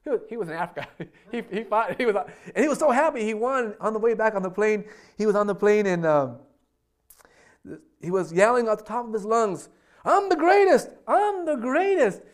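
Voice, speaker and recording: A man preaching a sermon, telling stories with sudden loud bursts and hushed, quiet asides. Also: high-pitched, expressive, brisk. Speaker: pastor.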